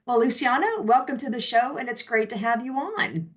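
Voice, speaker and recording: A woman's voice: fairly high pitch, animated, normal speed. A woman hosting an interview show, opening with a polished, upbeat scripted introduction and then asking her guest questions. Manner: polished, upbeat presenter delivery. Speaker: host.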